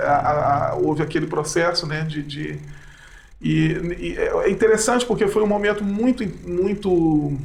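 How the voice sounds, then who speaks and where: In a room with audible echo and noticeable background noise, a man with a high voice speaks fairly slowly with ordinary pitch variation. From Brazil, Belo Horizonte (Minas Gerais). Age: 40s. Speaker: physical education teacher and facilitator. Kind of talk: interview. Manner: hesitant, many repetitions and fillers.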